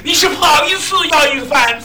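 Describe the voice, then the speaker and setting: A man voicing a sharp-tongued, scolding rich old woman in a comic crosstalk act, nagging her runaway son-in-law with scorn. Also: extremely high pitch, brisk, distant mic, full character voice.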